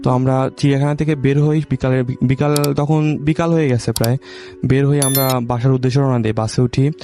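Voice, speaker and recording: A man's voice: mid-range voice, fairly even intonation, dark tone, faint music behind. A young man from Bangladesh telling a true ghost story in casual speech, stumbling and restarting often. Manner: halting, with many restarts and self-corrections.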